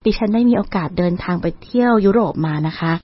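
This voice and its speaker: A woman's voice: medium pitch, fast talker, breathy edge. A woman lecturer hosting a radio segment, telling a travel story in a chatty, polite way. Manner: chatty, polite, ends phrases with soft particles. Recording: dull lo-fi radio sound.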